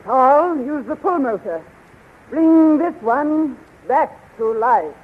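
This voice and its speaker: Imperious, seductive high-voiced sorceress queen. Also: lively intonation. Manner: commanding, theatrical, drawn-out delivery. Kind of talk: 1930s radio serial acting. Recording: muffled, noisy 1930s radio recording.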